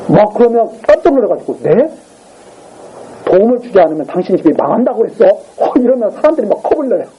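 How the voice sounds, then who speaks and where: A man's voice: high-pitched, sing-song, fast talker, highs cut off, slight background noise. A man preaching a Sunday morning sermon as a pastor, telling the story with feeling and acting out the lines of the king and his advisers. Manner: asks the congregation for agreement. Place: church sanctuary.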